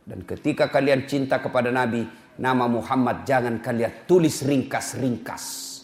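A man's voice: mid-range voice, moderate pace. A middle-aged man preaching a humorous sermon, joking and speaking straight to his congregation. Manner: animated, joking, addresses listeners directly.

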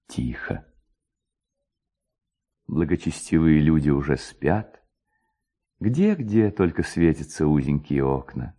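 Male narrator, lower register, highly animated and theatrical delivery for classic storytelling. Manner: expressive, dramatic storytelling. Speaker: narrator, literary reader.

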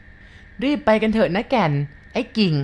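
A woman's voice: fairly high pitch, lively intonation, a little slow, darkish tone, slightly rough, pitched above the performer's own voice. A woman doing a vengeful young hunter. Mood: vowing. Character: young male village hunter, grieving and vengeful.

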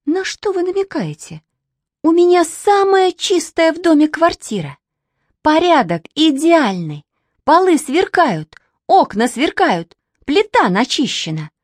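A woman voicing a fussy, excitable, squeamish aunt in a storybook reading, with high shrill exclamations. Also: unhurried, no room sound, clean studio sound. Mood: indignant.

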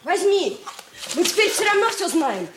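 Pert, teasing teen girl, high and bouncy, roomy, hissy. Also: big pitch swings, moderate pace. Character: nosy cheeky young teen girl Katya. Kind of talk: 1980s radio drama acting. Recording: roomy, with hiss.

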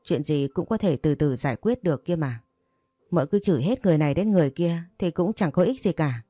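A woman's voice: low voice, animated, a little fast, warm tone, no echo, soft background music. A woman voicing a weary husband who coaxes and reasons with his upset wife, in a storybook reading. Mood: coaxing. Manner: coaxing reasoning tone.

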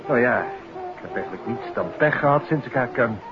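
A man's voice: mid-range voice, huge pitch swings, fairly quick. An actor playing an affable but evasive man-about-town in a 1950s Dutch radio play, chatty and breezy. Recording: muffled old radio recording, music behind.

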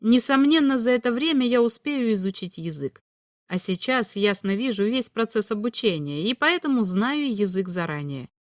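A woman reading an audiobook, voicing a calm, all-knowing male alien humanoid a little higher than her own voice, in a patient, explanatory way. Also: normal speed, no echo, clean studio sound, close to an everyday voice. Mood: calm explaining.

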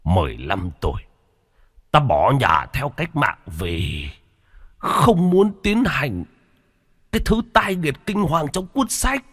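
A man's voice: medium pitch, very animated, slow pace, fairly bright tone, slightly rough, big-room sound, pitched above the performer's own voice, exaggerated voice. A man voicing a tormented, dying old father whose strained words rise into anguished cries. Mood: grave confession. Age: older. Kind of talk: dramatic storytelling.

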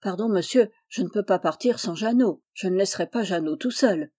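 A woman's voice: mid-range voice, fairly quick, warm tone, lightly acted. A woman reading aloud and voicing a polite, earnest, kind peasant boy.

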